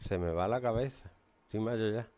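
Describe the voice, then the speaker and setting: A man's voice: lowish voice, moderate pace, warm tone. A stern man, teaching and lecturing a class in a classroom. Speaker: English teacher.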